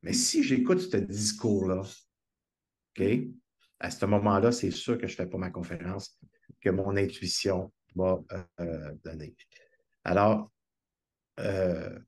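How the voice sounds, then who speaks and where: Man, Québécois French accent, lowish voice, earnest storyteller, video call interview. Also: slow, pauses often. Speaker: guest speaker. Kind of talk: conversational interview.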